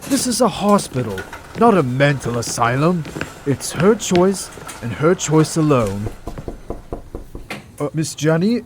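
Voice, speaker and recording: An actor playing an earnest, overworked hospital doctor in an audio drama, articulate and patient with some exasperation. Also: male voice, fairly high pitch, sing-song, measured pace, a little mellow, a little hiss or hum. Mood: firm.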